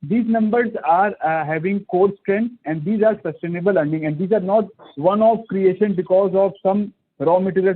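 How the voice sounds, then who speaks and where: A man with an Indian accent asking questions as an investor on a conference call, halting, stammering and deferential. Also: sits high. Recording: thin, narrow phone line.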